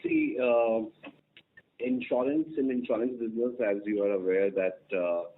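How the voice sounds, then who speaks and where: A man, a finance executive, answering an analyst on an earnings call, halting with many fillers. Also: medium pitch, very animated, a little hiss or hum. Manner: halting, heavy fillers like uh and you know. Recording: phone-line audio.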